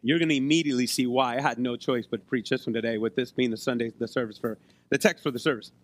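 A man preaching a sermon in a conversational way, his voice hoarse as if he has been losing it, often checking in with his listeners. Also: mid-range voice, fairly even intonation, fast talker. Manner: conversational, checks in with rhetorical questions. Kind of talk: sermon to a congregation. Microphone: close microphone on a PA.

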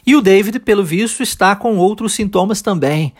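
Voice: mid-range voice, normal speed, a little hiss or hum. A teacher with a Brazilian Portuguese accent hosting a podcast English lesson. The teacher explains step by step, checks in often with short tags and asks listeners to repeat phrases.

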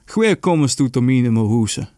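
A man's voice: medium pitch, lively intonation, measured pace, warm tone, no room sound, studio quality, close to an everyday voice. A man voicing a protective father bird who scolds an intruder at his nest. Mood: scolding. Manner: stern, scolding.

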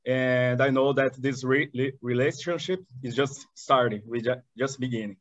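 Enthusiastic Brazilian man, halting speech. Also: medium pitch, steady tone, highs cut off. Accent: Brazilian Portuguese. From southern Brazil. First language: Portuguese. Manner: enthusiastic, halting with many restarts. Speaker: guest, chamber of commerce director. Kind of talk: podcast interview.

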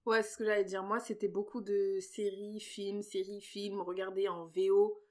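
A woman's voice: mid-range voice, flat delivery, moderate pace, a little mellow. A native French-speaking woman co-hosting a podcast in a casual, chatty way, reading out and answering listener questions. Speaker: podcast co-host.

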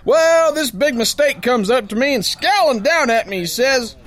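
A man playing a brash, rough prize-fighting sailor who tells his tale in slangy, folksy tough talk, in the style of old-time radio adventure. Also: very high-pitched, lively intonation, moderate pace, fairly bright tone. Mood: boastful storytelling.

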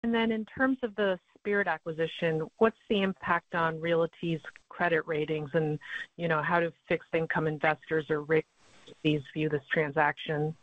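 A woman's voice: low-pitched, little pitch movement, normal speed. A woman speaking as an analyst, asking questions on an earnings call. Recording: dull phone-in conference audio.

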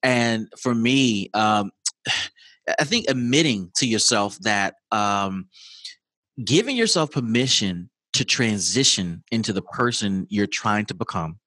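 A man hosting an interview, summing up his guest's points in a measured, reflective way. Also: on the low side, lively intonation, bright, forceful tone, no echo. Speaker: host. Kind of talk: interview conversation.

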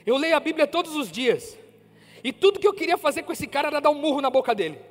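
A man's voice: extremely high pitch, sing-song, quick pace, voice pushed up. A man voicing a remorseful Brazilian churchgoer. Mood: earnest confession. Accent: Brazilian Portuguese. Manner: earnest, pleading. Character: remorseful young male churchgoer, confessing. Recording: reverberant hall, faint music.

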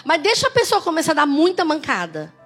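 A woman's voice: high-pitched, wildly swooping pitch, quick pace, a bit bright, faint music behind. A woman pastor with a Brazilian Portuguese accent, preaching a conversational sermon with emphatic, rising exclamations.

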